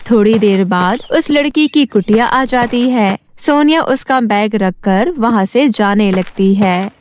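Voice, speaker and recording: A woman's voice: mid-range voice, unhurried, slight background noise. A woman storyteller reading scripted narration for a children's cartoon story.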